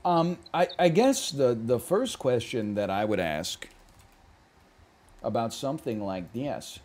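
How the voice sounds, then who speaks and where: A man in his thirties riffing casually while streaming games, animated and swinging between loud and quiet for comic bits, on a headset mic at home. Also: mid-range voice, slow pace. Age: 30s. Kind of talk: casual gaming stream chat. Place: small room at home.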